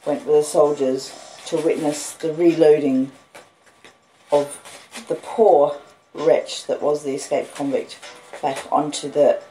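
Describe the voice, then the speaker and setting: Australian woman, low voice, slow halting delivery, casual livestream host, faintly noisy front-room recording. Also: warm tone. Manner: unhurried, rambling, with halting pauses. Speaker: host of a live-streamed book reading. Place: front room of a house with street noise. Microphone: phone and an old laptop. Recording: noisy home phone recording. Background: street noise, house creaks, puppy, lo-fi beats.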